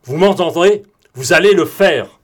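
A man's voice: medium pitch, expressive, a little slow. A man voicing a menacing male hijacker in a read-aloud adventure story, with a threatening, insistent delivery. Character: menacing male hijacker who is also a pilot.

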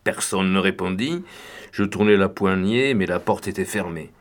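Brief: male audiobook narrator, low voice, steady scripted storytelling. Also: normal speed.

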